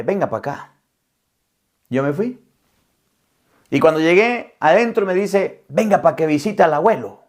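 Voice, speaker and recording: Man, priest, lively storytelling sermon, fairly high voice. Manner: animated storyteller, acts out quoted dialogue. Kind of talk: storytelling homily.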